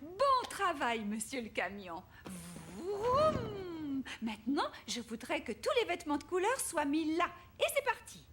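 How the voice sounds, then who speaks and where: A woman voicing a gentle, playful older grandmother in a French cartoon dub, coaxing in a singsong way. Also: high voice, wildly swooping pitch, measured pace, background noise, full character voice. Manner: singsong, coaxing, makes games of chores. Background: background music.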